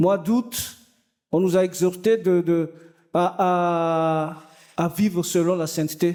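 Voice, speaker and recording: With a Malagasy accent, a man with a high pitch and a dark, mellow tone speaks with fairly even intonation in a very clean recording against a silent background. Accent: pronounced Malagasy accent in French. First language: Malagasy (speaking French). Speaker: preacher. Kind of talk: sermon. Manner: halting, with hesitations and repetitions.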